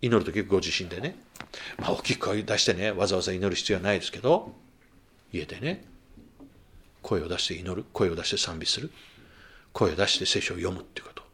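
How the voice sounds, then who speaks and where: A man's voice: sits low, animated, brisk, pauses often, sharp tone, a little hiss or hum. A male pastor giving a sermon in a conversational manner, asking the congregation questions and rising to emphatic bursts.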